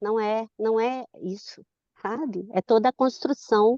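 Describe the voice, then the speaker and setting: The tone is dark and mellow, the intonation fairly even. The background is quiet. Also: woman. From Brazil, Belo Horizonte. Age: 60s. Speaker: psychologist training in psychoanalysis. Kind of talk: audience comment in online discussion. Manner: halting.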